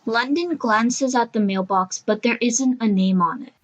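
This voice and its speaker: A woman's voice: fairly high pitch, unhurried, dull audio. A woman reading scripted narration for an audio drama.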